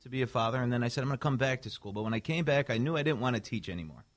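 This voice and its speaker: A man from Chicago, a mental health clinician, earnestly explaining his path as a radio guest. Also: medium pitch. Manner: earnest, measured, some restarts. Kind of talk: radio interview answers.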